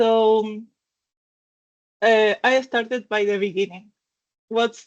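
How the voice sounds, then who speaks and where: A woman with a strong Argentine accent and a fairly high pitch, at a very slow pace. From Argentina. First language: Spanish. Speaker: finance consultant. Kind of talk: technical presentation. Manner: hesitant, many fillers.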